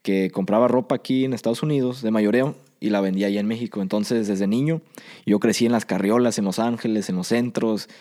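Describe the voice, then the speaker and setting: A young man with a low, mellow voice. He tells his story unhurriedly as a podcast guest, wandering through his thoughts with plenty of fillers. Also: fairly even intonation, a little fast. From Southern California. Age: young adult. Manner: easygoing, rambling, with frequent fillers. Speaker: guest entrepreneur. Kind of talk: casual interview storytelling.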